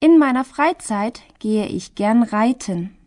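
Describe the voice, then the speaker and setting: A woman playing a sixteen-year-old German girl in a scripted language listening exercise, articulating carefully and deliberately. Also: fairly high pitch, lively intonation, darkish tone. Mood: plain, measured.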